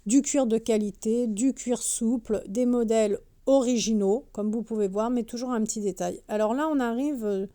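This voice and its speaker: Showing off a discount store's shoe display, this woman talks chattily through a shopping vlog, peppering it with "euh" and "hein" and calling out prices. Her fairly high, warm voice moves at normal speed with hardly any pauses, a little sore-throated from her mask.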